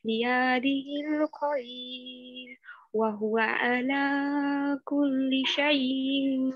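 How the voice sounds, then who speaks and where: Female student reciting, high flat voice, very slow, muffled dry call audio. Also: no room sound. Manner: slow, evenly chanted.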